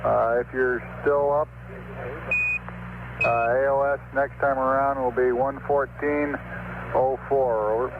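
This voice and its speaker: A man's voice: mid-range voice, steady tone, slow, long pauses. An American man working as a mission control radio communicator, speaking in clipped, matter-of-fact military procedure over a crackly two-way radio. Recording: noisy, narrow-band archival space radio link.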